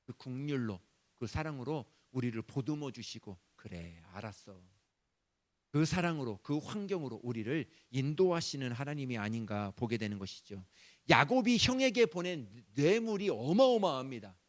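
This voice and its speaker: A male pastor preaching a Sunday sermon, animated, acting out prayers in a raised voice. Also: mid-range voice, normal speed. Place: church sanctuary.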